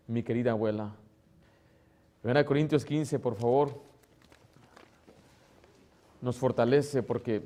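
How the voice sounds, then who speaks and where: A man preaching a sermon as pastor, emotional, moving between loud exclamations and soft, tender asides, sometimes acting out relatives in a higher tone. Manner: acts out voices of relatives in a higher tone.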